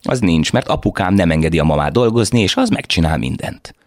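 An actor reading a novel aloud, voicing a confident young girl who lectures the boy beside her in a calm, self-assured way. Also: low-pitched, no echo, clean studio sound. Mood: lecturing.

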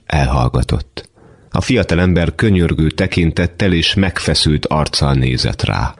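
A man reads a short story in a measured, even way. His voice is extremely deep. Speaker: reader. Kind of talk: literary reading.

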